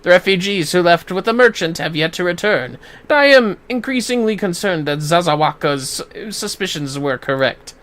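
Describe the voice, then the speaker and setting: A streamer reading as dry, formal fantasy townsfolk. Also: male voice, sits high, lively intonation, moderate pace, hardly any pauses, a bit bright. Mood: stern, concerned.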